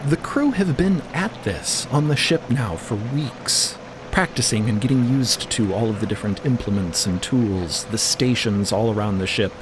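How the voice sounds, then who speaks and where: A man's voice: lowish voice, normal speed, noisy background. A man narrating a fiction podcast in an evocative, descriptive storytelling style.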